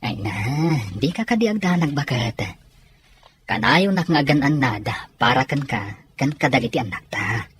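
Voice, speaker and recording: A man's voice: mid-range voice, lively intonation, moderate pace, fairly bright tone, breathy edge. A man with a Filipino accent acting a dutiful soldier and family man in an audio drama. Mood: reassuring. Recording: some background noise.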